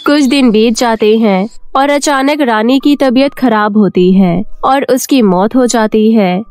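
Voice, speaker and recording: Woman reading a kids' bedtime story, fairly high voice, close and dry, soft music under. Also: dry recording. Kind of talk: scripted children's story narration. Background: faint music.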